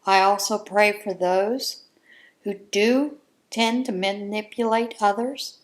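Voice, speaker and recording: A woman's voice: medium pitch, takes it slowly. A woman hosting a crafting channel, sharing her views in a casual chat from home in an earnest, heartfelt way.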